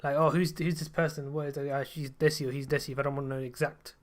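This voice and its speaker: Casual male podcast host, quick slangy delivery. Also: medium pitch, level tone. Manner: fast, insistent, slangy, says "bro" and "innit". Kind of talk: casual chat.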